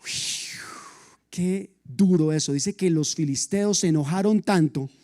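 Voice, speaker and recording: High-voiced, mellow male pastor. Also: measured pace. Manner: animated storytelling with humorous asides. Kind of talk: sermon.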